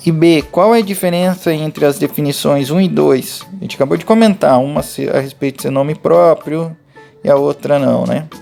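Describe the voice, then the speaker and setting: A Brazilian man talks a class of children through a remote lesson, patient and methodical as he goes step by step. His voice sits a little high yet sounds mellow and gravelly. Faint music plays softly behind him. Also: moderate pace. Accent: Brazilian Portuguese. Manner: patient, explains step by step, addresses pupils directly. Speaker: teacher. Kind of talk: remote lesson walkthrough for schoolchildren.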